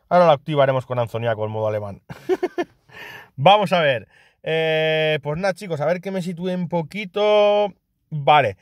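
A young man with a Spain Spanish accent giving casual, excitable gameplay commentary, swearing and laughing often. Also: on the high side, no echo. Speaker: gaming youtuber.

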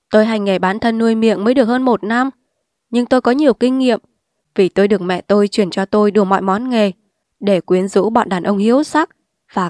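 A woman's voice: on the high side, no room sound, clean studio sound, close to an everyday voice. Woman voicing a bitter, scornful young woman. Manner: blunt, scornful and sharp-tongued. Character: bitter defiant young woman, streetwise and mocking.

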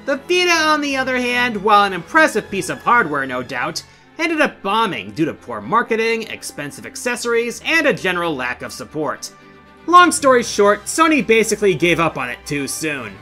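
A man's voice: sits high, wildly swooping pitch, moderate pace, bright, forceful tone, soft background music. A middle-aged man hosting a countdown in scripted video essay narration, with an emphatic, theatrical delivery. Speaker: video game countdown host.

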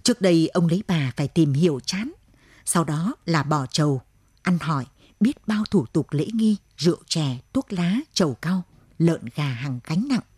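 A woman narrating a radio short story in a steady storytelling manner. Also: low-pitched, moderate pace, breathy edge, no room sound, studio quality.

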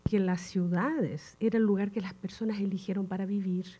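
Older woman lecturing with a dark voice. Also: medium pitch, fairly quick, husky. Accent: Portuguese-tinged Spanish. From Chile. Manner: relaxed, chatty, tags sentences with "¿no?". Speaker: guest lecturer. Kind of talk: academic lecture. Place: university auditorium. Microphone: table mic.

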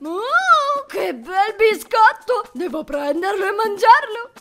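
A woman voicing a greedy, hungry cow in a cartoon, making loud demands. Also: very high-pitched, very animated, slow, soft background music, voice pushed up, full character voice.

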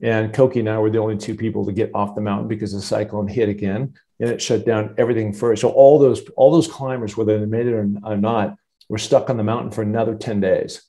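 A man in his fifties, a guest on a video-call interview, telling a long story in an animated, rambling way with many restarts. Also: fairly low pitch, quick pace. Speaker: interview guest, former football player. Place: home office with wood cabinet. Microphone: earbud headset on video call.

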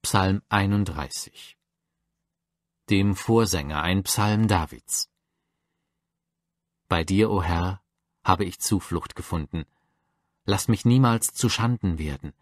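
A man reading psalms aloud for a Bible audiobook, measured and reverent. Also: low voice, no room sound, studio quality. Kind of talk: solemn scripture reading.

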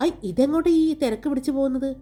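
A woman narrator voicing a cheeky, sharp-tongued young woman who teases and mocks. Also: sits high, rapid-fire, pitched above the performer's own voice, lightly acted. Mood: mocking. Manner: teasing, mocking.

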